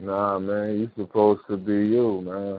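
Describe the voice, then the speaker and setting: Fairly low male voice, fairly slow and monotone, with flat intonation. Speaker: radio talk show host. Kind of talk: casual discussion.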